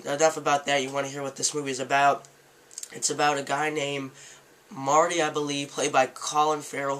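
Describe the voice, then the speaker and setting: A man with a stuffy head cold, his voice coming out nasal and congested. He talks through a casual movie review in a loose, rambling way and keeps restarting his sentences, with his pitch sitting in an ordinary middle range. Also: fairly bright tone. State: sick with a stuffy nose.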